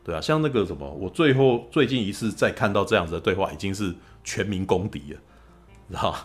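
Fast-talking Taiwanese man, lively storyteller. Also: sits low, husky, faint music behind. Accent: Taiwanese Mandarin. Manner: animated storyteller, acts out quoted lines, frequent "你知道吗" asides. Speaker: podcast host. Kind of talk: casual film discussion.

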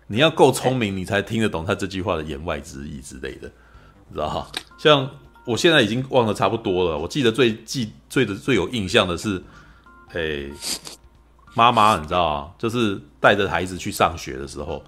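Over soft background music, a deep-voiced man with a Taiwanese Mandarin accent talks briskly about films on his podcast. He is an animated storyteller who acts out quoted lines and frequently adds "你知道吗" asides.

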